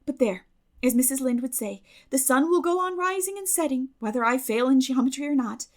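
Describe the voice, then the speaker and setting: A woman's voice: high-pitched, lively intonation, brisk, darkish tone, pitched above the performer's own voice. A woman voicing an earnest, dramatic, talkative teenage storybook heroine in a gushing, emphatic way. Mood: anxious, dramatic.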